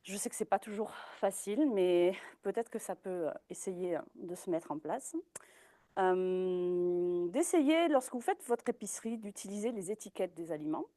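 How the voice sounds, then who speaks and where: A woman's voice: medium pitch, expressive, moderate pace, mellow, no room sound. A young woman giving a presentation as a dietitian, hesitant, with many fillers and restarts. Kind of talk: informal talk presentation.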